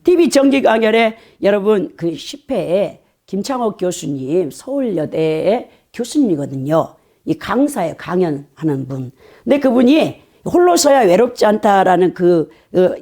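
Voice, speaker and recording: A woman pastor preaching a sermon, telling stories animatedly and checking in with the congregation through quick "eh?" asides. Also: mid-range voice, warm tone.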